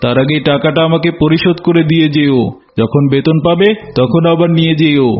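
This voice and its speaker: A man playing a dignified, kindly elephant who leads the jungle in an animated fable, speaking earnestly. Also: a little high, fairly quick, lightly acted. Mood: kindly, concerned. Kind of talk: Bengali animated fable voice acting. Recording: dull lo-fi audio with music.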